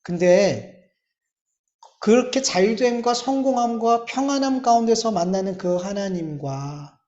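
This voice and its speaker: A male pastor preaching a sermon in a church, emphatic, with drawn-out pauses and rising bursts. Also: high-pitched, darkish tone. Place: church sanctuary. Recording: echoey church hall, slightly dull sound.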